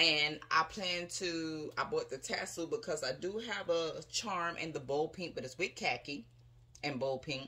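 Her tone is bright and sharp, at a fairly low pitch with ordinary variation. The woman speaks at a fairly slow pace. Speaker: YouTuber reviewing handbags. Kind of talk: casual unboxing vlog. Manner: soft-spoken. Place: home room. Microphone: phone near.

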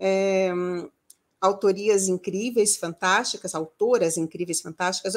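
A woman speaks at a fairly slow pace. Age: 40s. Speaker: audiovisual artist and cultural producer; interview guest. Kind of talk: interview. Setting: video call. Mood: engaged, smiling, earnest. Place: home room.

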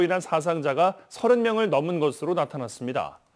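A man is talking. His pace is moderate. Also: very clean recording, silent background. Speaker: news anchor. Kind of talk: news reading. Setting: studio. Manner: formal.

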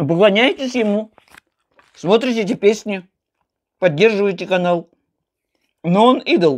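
Against a quiet background, a woman talks at a fairly slow pace with lively intonation. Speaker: home vlogger. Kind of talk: casual vlog chat while eating. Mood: animated, indignant. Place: home room. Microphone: lapel.

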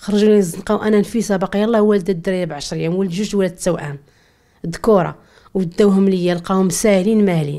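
A woman talks at a fairly quick pace with fairly even intonation against a quiet background. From Morocco, Taza; Morocco. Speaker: former domestic worker. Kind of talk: testimony. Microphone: handheld.

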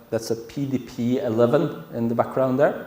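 Audible room echo surrounds a man who speaks at a very slow pace. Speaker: conference speaker. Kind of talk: lecture. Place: hall.

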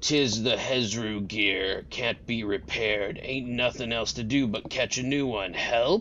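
A man puts on a rumbling character voice at a medium pitch. He speaks at a fairly slow pace over clear background noise.

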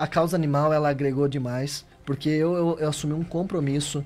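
At a moderate pace, the man talks in an ordinary speaking voice pitched fairly high. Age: 20s. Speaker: newly elected city councillor; elected city councillor. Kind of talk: radio interview. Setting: radio studio. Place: studio. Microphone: studio mic.

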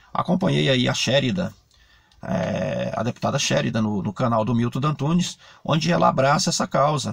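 Vocal fry runs through a man's voice as it makes very wide pitch swings. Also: quiet background. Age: 50s. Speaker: retired bus driver, wheelchair user. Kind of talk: testimony. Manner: halting. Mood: earnest, concerned. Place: car. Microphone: phone near.

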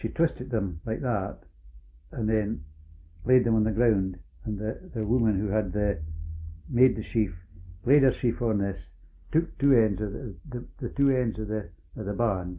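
A man with a Scottish accent, fairly low-pitched, at a moderate pace with long, frequent pauses. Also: ordinary pitch variation. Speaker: retired farmer. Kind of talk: interview answer.

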